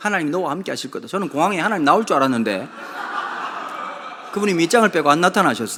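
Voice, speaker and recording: A man talks very fast in a Gyeongsang accent, his tone animated and his intonation lively. Noticeable background noise runs behind him. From Korea, Gyeongsang region. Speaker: pastor. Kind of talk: sermon. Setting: church.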